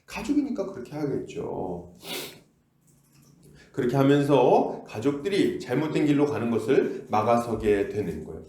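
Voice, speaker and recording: A man's voice: medium pitch, warm tone. A male pastor preaching a conversational sermon, often asking the congregation questions. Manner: conversational, asks the congregation questions, acts out scoldings. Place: church sanctuary. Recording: echoey church room.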